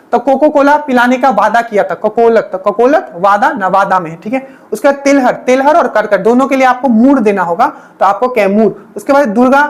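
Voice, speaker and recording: A woman teaching an exam-prep lesson, repeating each memory trick and checking in with the class again and again. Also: fairly high pitch. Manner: repetitive drilling, frequent checking-in asides.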